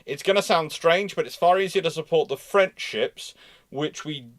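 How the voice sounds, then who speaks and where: A man's voice: on the high side, normal speed. A man hosting a live history discussion, talking off the cuff, putting rhetorical questions and rephrasing his points as he goes. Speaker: host of a live naval history show. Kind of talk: live panel discussion, unscripted explanation.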